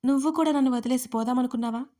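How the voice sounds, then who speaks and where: A woman's voice: high voice, racing, dark tone, close to an everyday voice. A woman voicing a remorseful young husband who pleads emotionally with his wife. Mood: pleading.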